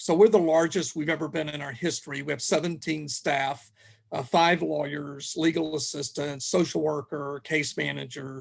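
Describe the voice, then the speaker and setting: The man's pitch sits fairly high, with vocal fry. He speaks at a moderate pace. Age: 60s. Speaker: lawyer. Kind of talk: interview.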